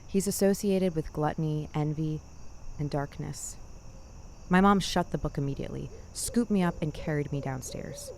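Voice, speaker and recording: Low-pitched woman telling a spooky bedtime story. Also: very animated, normal speed, a little mellow, slight background noise. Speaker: host of a spooky story podcast. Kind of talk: scripted bedtime-style scary story narration.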